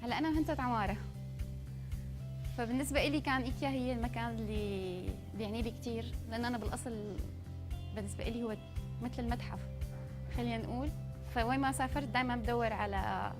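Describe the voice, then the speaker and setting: A woman's voice: a little high, fairly even intonation. A woman giving an eager testimonial in a company video. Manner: very rapid, eager speech. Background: music.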